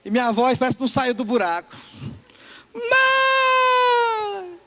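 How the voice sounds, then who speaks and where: A man's voice: very high-pitched, racing, heavy background noise. A young man with a Brazilian Portuguese accent, preaching a sermon to a youth service, telling stories with playful humor. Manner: storytelling with playful humor, acts out voices. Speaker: pastor. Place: church hall.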